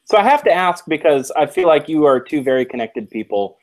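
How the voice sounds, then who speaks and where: A man's voice: a little high, sing-song, fairly quick. Earnest man chatting on a podcast. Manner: earnest, reflective, teasing asides. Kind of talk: casual live podcast chat.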